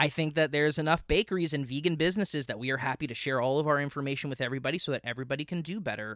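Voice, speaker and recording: Speaking very fast with an American accent, a man uses a fairly high pitch and ordinary pitch variation. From Florida (Miami area). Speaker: musician and small business owner. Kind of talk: casual chat. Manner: animated.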